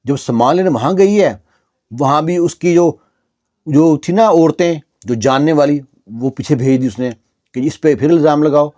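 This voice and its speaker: A man's voice: on the high side, dark tone. A man narrating a village story in a conversational way, with repeated fillers and restarts.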